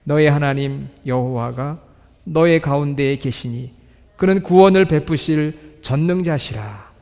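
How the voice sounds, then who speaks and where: A high-pitched man delivers a sermon in a church sanctuary. He puts questions to his listeners and slows down to read scripture. His voice rings with the long reverb of the hall. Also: a little mellow. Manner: asks the congregation questions, reads scripture slowly. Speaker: pastor.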